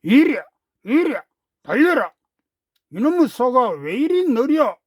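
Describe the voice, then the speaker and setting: A man reading a storybook, voicing a gruff middle-aged cattle trainer who bullies and shouts. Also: sits high, big pitch swings, takes it slowly, no room sound, clean studio sound, full character voice. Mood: harsh. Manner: bullying, shouting.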